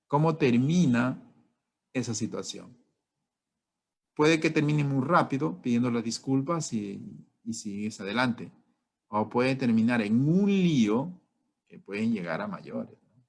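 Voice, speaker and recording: A man's voice: mid-range voice, creaky. A man teaching an informal self-help lesson in a conversational way, often checking in with his listeners. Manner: conversational, keeps asking "right?", acts out angry drivers. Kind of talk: informal talk on personal growth.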